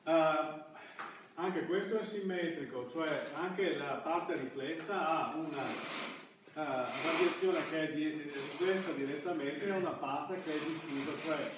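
Picked up by a camera microphone at a distance, a middle-aged university lecturer speaks to his class in a fairly high voice, restarting phrases haltingly as he looks for words. The classroom is highly reverberant and there is faint background noise.

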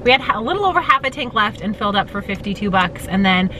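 A woman's voice: mid-range voice, lively intonation, fast, low-quality recording. A woman in her thirties chatting upbeat to the camera on a family road trip vlog, filmed at arm's length inside a car. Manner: chatty and upbeat, lots of fillers. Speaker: family vlogger. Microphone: handheld camera at arm's length. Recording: loud car noise. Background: road and engine noise.

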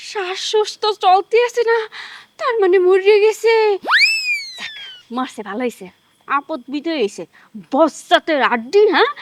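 A bossy scolding village wife. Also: female voice, high-pitched, background noise. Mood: scheming. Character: scheming, sharp-tongued village wife. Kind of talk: village comedy drama acting.

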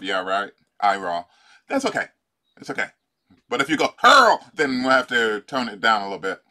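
An older man leading a tapping exercise over a video call, playful and laughing, often pausing with fillers. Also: mid-range voice, sharp tone. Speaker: life coach. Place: home room.

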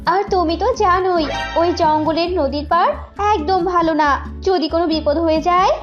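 A woman plays a fretful cartoon vixen wife with a high, pleading voice. She sounds caring and worried, in dull audio with loud music. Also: fairly even intonation, normal speed.

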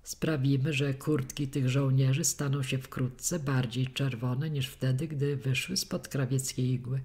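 A woman's voice: a bass voice, steady tone, a little slow, mellow. Woman doing a swaggering convict swindler. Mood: scheming. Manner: swaggering, coarse, boastful. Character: boastful cunning male convict swindler, ringleader.

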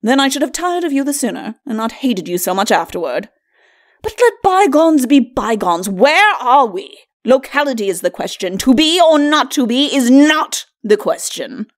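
A haughty skeleton lord from a storybook, acted out by a woman, bickering with mocking disdain. The pitch moves widely through archaic, aristocratic phrasing, and it sits on the high side for the reader. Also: sing-song, moderate pace. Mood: mocking, sardonic. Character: bickering, sneering undead skeleton lord, a husband. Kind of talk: storybook character acting.

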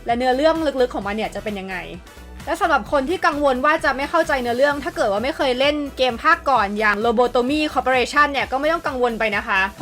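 Woman host, high pitch, bright tone, upbeat scripted narration, friendly and polite, light music underneath. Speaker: video host presenting a game list. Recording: music behind the voice. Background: background music.

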